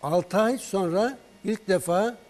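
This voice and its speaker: A man tells health stories in an animated way, acting out the calls between himself and a patient. His voice sits a bit high for a man yet sounds dark and mellow. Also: slow pace. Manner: animated storyteller, acts out patient's and his own words in dialogue. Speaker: herbal remedy expert on a broadcast. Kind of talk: storytelling health talk.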